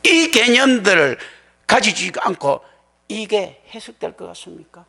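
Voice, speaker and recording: Gravelly, dramatic pastor preaching. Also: male voice, sits high, very animated, a little slow. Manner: dramatic, colloquial, swings from loud to hushed whispers. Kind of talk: sermon.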